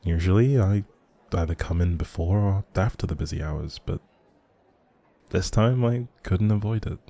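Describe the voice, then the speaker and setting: A shy, socially anxious young man, acted by a male performer in an intimate audio roleplay. His voice sits very low and mellow, with plenty of gravelly fry. He rambles in a friendly, hesitant way, quick to apologize. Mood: rambling, musing.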